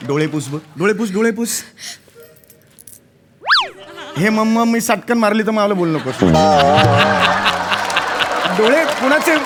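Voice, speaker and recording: A man's voice: high-pitched, animated, normal speed, crowd noise, noisy background. An actor playing a joking, exasperated middle-aged father who teases and scolds his daughter in a stage comedy sketch. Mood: mock-soothing. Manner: wisecracking, mock-soothing, swings to shouting.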